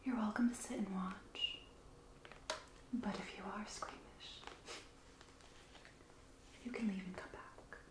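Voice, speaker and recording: A mysterious witch acted out by a woman murmurs in a soft, half-whispered ASMR role play. She takes her words very slowly and deliberately, beguiling and quietly menacing. The room rings noticeably around her hushed voice. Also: medium pitch, steady tone, echoey room, natural voice. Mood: calm, discreet. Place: small indoor room, candlelit set.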